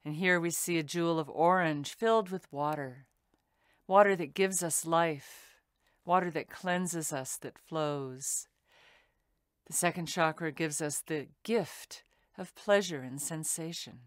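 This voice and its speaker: Slow, low-voiced woman guiding meditation. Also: no room sound, studio quality. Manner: slow, soothing, deliberate phrasing with pauses. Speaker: meditation teacher. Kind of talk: guided meditation.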